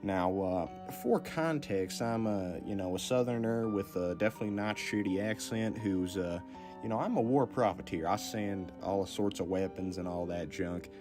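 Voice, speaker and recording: Man doing a low-voiced, folksy Southern arms dealer. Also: moderate pace, music in the background, close to an everyday voice. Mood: boastful. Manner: folksy, rambling storytelling. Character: folksy, drawling Southern arms dealer telling a tall tale. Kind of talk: comic in-character audio message.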